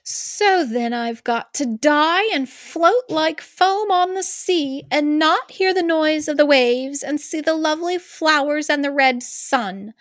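A woman's voice: sits high, slow pace, hardly any pauses, a bit bright, no room sound, clean studio sound, voice pushed up. Woman playing a yearning young mermaid. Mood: pleading. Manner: earnest, pleading storybook delivery. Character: wistful young mermaid girl, yearning and sad.

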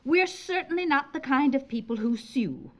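Aktorka grająca przepraszającą, zatroskaną sąsiadkę i matkę w komediowym słuchowisku radiowym z lat 50. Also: female voice, high voice, lively intonation, moderate pace. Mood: apologetic. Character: apologetic, anxious, fretful neighbor housewife and mother. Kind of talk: 1950s radio comedy acting. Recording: dull 1950s radio recording.

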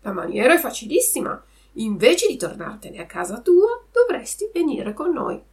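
A woman voicing a sly, smooth-talking lame male fox who coaxes the puppet. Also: a little high, wildly swooping pitch, normal speed, distant mic, voice pushed up. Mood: wheedling.

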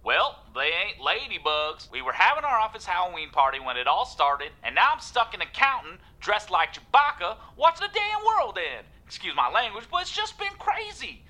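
Actress as a panicky, rambling office gal in a radio play, bright voice swooping up and down. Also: female voice, medium pitch, big pitch swings, normal speed, few pauses. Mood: rattled. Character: frantic Southern office worker woman, folksy. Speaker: caller. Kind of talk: radio drama acting.

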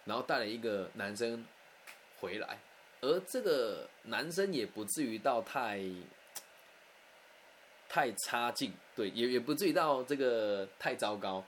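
A man telling a personal anecdote in a candid, animated, conversational way. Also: medium pitch, measured pace, slight background noise. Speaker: storyteller.

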